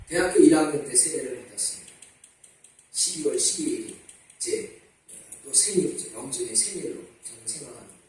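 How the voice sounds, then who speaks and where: A man's voice: fairly high pitch, a little mellow, a little hiss or hum. A man preaching a sermon as pastor, asking rhetorical questions and repeating his calls to repent. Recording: echoey church hall, mic at a distance.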